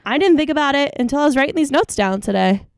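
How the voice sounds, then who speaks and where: Teasing young woman, a touch high, dry mic. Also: lively intonation, fast talker, dry recording. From Philadelphia area, USA. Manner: teasing, blunt, matter-of-fact. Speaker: podcast co-host. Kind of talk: casual chat.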